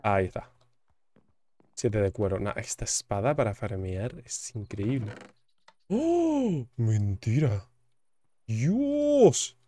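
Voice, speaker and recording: A man's voice: lowish voice, a little slow, a little mellow, slight background noise. Chatty young man gaming. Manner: chatty, repeats words, jokey asides. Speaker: gaming YouTuber. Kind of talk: casual gameplay commentary.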